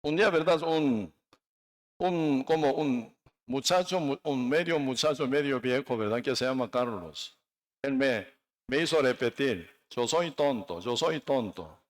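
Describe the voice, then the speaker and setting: A man from Korea preaching a sermon with a Korean accent, non-native and halting in his phrasing, emphatic, with frequent tag questions. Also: mid-range voice. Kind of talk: sermon with personal testimony.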